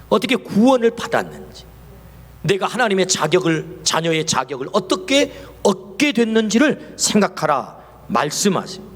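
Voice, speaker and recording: Male pastor, high voice, sermon with rhetorical questions, long church reverb. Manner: asks the congregation many rhetorical questions. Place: church sanctuary.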